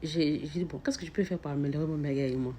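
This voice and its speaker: A woman's voice: low-pitched, fast talker, dark tone, a little hiss or hum. A mother talking earnestly about self-improvement in a casual, reflective way, often stuttering, repeating words and restarting phrases as she speaks straight to the listener. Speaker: mother sharing personal reflections. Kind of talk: casual spiritual self-help talk.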